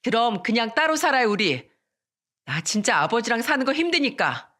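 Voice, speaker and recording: A reader voicing a defiant shouting wife. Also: female voice, very animated, normal speed. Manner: shrill, defiant yelling. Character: defiant wife, shouting back in a family fight.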